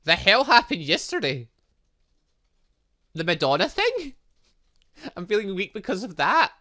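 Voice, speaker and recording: A young man hosts a casual gaming commentary in a bright, forceful voice. His pitch moves up and down a lot as he rambles, thinks aloud and mutters little filler sounds to himself. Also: wildly swooping pitch, a little slow. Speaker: gaming channel host. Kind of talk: casual let's play commentary on a visual novel game.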